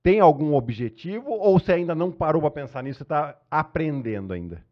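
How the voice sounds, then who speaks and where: A man co-hosting a podcast who asks long questions in a measured, casual way. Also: on the high side, animated. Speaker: podcast co-host. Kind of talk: casual chat. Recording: slightly dull sound.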